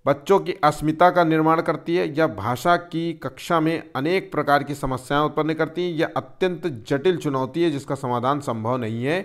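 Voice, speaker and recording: A man's voice: fairly high pitch, normal speed, hardly any pauses. A man teaching an exam-prep lesson, explaining step by step and posing questions he then answers himself.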